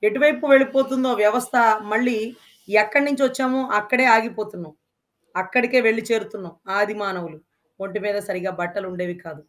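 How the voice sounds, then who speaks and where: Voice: medium pitch, fast, fairly bright tone. An interview guest speaking with passion, firing off emphatic rhetorical questions. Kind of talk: impassioned interview talk.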